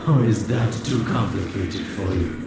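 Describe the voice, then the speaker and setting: An actor playing a smug, scheming video game villain with a sardonic, theatrical manner. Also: male voice, lowish voice, a little slow, loud music behind the voice. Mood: sly taunting. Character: smug, scheming male villain, slyly taunting and mocking. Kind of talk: video game character acting. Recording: distant, very echoey, over loud game noise.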